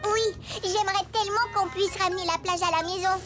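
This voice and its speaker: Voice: very high voice, steady tone, fairly quick. A performer voicing a cheerful, curious four-year-old boy in a children's cartoon, with an eager, childlike delivery. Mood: playful. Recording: music behind the voice.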